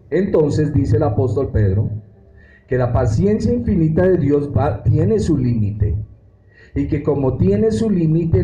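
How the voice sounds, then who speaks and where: Dark-voiced preacher in an echoey room. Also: male voice, fairly high pitch, highs cut off, a little hiss or hum. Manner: preachy, acts out quoted prayers and asks the congregation questions. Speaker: Bible study teacher. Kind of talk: sermon-style Bible study.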